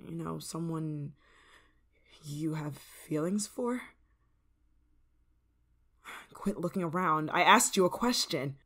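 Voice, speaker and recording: A woman voicing an obsessive, controlling neighbor in an ASMR roleplay, soft-spoken and slipping into whispers with a sweet, creeping menace. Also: deep voice, a little slow, breathy edge, full character voice. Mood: jealous.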